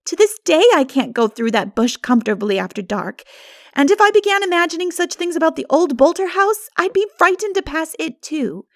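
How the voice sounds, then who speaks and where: A woman voicing a practical, excitable young girl in an animated, emphatic audiobook reading. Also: very high-pitched, a little fast, no room sound, clean studio sound, pitched above the performer's own voice. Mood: practical, firm. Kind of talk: dramatic audiobook character reading.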